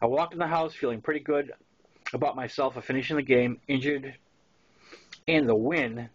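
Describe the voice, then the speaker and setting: A man in his sixties with a Boston accent narrates a memoir in a mid-pitched voice. He tells it conversationally, like an author reading his own work with casual asides. The recording is dull and lo-fi. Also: normal speed, husky. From Massachusetts, US. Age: 60s.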